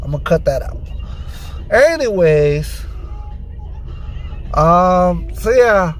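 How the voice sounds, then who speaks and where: A man's voice: sits high, animated, takes it slowly, soft background music. A man talking casually as a solo vlog host, rambling and repeating words as he doubles back, recorded in a car. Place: inside a car while driving on city streets at night. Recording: clear car and street noise. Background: car and traffic noise.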